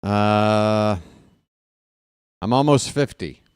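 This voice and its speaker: A fan broadcaster in his late forties does casual live play-by-play of a baseball game, his fairly low, smooth voice moving very slowly. He mixes the calls with wry, sarcastic asides and grumbling, and gets loud and animated when he rants. The studio recording is clean, with no room sound.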